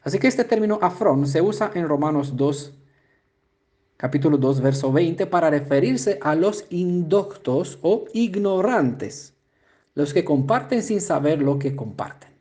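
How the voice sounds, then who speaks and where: A man who speaks Spanish as a second language, explaining word meanings as a Bible teacher, pausing often with fillers and checking in with the listener. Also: fairly high pitch, lively intonation, mellow. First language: not Spanish. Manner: halting, many filler "eh" sounds and restarts, asks "¿no?" and "¿vale?".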